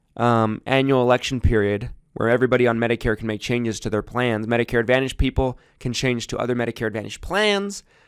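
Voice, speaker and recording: A man talks very fast in a very clean recording with a silent background. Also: medium pitch for a man, ordinary pitch variation, hardly any pauses. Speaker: podcast host and insurance agent. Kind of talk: solo podcast monologue. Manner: animated.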